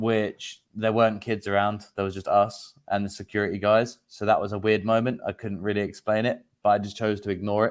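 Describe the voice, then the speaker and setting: The speaker has an English accent and a fairly quick pace with monotone, flat intonation. The recording is very clean, with a silent background. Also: man, fairly low pitch for a man. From England. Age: 20s. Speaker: paranormal investigator. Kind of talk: casual interview chat.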